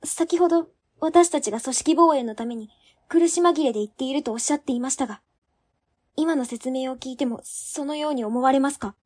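A woman's voice: high-pitched, fairly quick, a little mellow, natural voice. A woman playing an earnest, polite young female ward office employee in an amateur web radio drama. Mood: determined, challenging. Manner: polite, sincere, formal.

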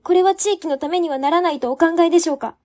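A woman's voice: very high-pitched, quick pace, warm tone. A woman playing an earnest, polite young female ward office employee in an amateur web radio drama. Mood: determined, challenging. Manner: polite, sincere, formal.

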